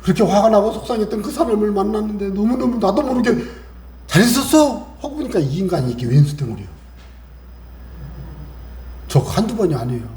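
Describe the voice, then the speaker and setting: Speaking briskly and pausing often, this pastor has a high-pitched, mellow, animated voice. His Sunday sermon is chatty, sprinkled with scripture quotes and acted-out little exchanges, captured in an echoey church room with faint hiss.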